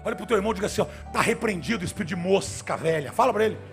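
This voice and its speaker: Male pastor, very high for a man, gravelly edge, sing-song preaching, faint music underneath. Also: animated, racing. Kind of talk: sermon. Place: church service.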